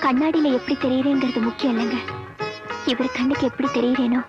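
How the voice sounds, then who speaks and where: An actress playing a meek, obedient young wife who answers gently and cries out when scolded. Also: female voice, sits high, fairly even intonation, quick pace, music in the background, natural voice. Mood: gentle. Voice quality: meek and deferential, with pleading cries. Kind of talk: 1980s film comedy acting. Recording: dull, lo-fi old film soundtrack.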